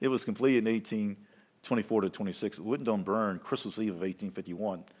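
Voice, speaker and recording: A man with a fairly low pitch and a Southern US accent, going at a very fast pace with ordinary pitch variation, on a very clean recording with a silent background. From US South. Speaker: Capitol tour guide. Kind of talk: live commentary. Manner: halting.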